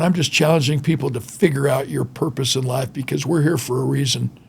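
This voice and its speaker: Vocal fry marks a man's speech, which has ordinary pitch variation. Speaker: motivational speaker. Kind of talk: interview. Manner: animated.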